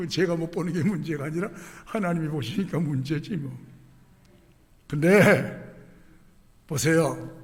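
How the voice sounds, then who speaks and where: A male pastor preaching a sermon, moving from quiet conversational asides to shouted declarations and firing rhetorical questions at the congregation. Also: a little high, measured pace, long pauses. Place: church sanctuary. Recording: echoey church hall.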